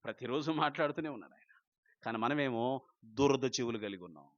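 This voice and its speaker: A man preaching an Easter sermon with passion, swinging from loud cries down to low, quiet lines. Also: expressive, a little fast, no echo, highs cut off. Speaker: pastor. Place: prayer house.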